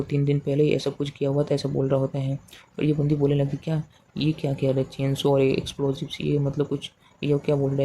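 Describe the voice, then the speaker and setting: Fast, flat-voiced Indian man recapping a comic. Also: mid-range voice, a little hiss or hum. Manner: rambling, repetitive, many fillers and restarts; speaks quotes in the same flat narrating voice. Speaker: manhwa recap narrator. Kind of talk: casual story recap narration.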